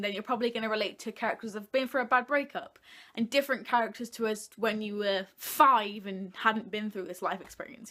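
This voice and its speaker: A woman's voice: a little high, fairly bright tone. A young woman, a video blogger, talking casually and informally to her viewers. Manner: informal, chatty. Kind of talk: casual talk to viewers, list format.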